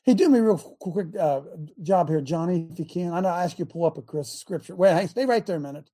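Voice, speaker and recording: A man hosting a Christian talk show with a raspy, scratchy voice and a lingering cough, rambling then preaching fervently. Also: high-pitched, expressive, fast, dark tone. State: lingering cough, chronic laryngitis. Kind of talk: fiery preaching talk radio.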